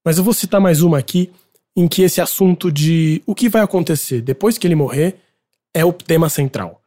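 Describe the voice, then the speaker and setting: Chatty Brazilian man with a mellow voice. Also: a little high, fairly quick. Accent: Brazilian Portuguese. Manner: chatty, opinionated, explanatory. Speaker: podcast host presenting a music segment. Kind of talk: casual music commentary.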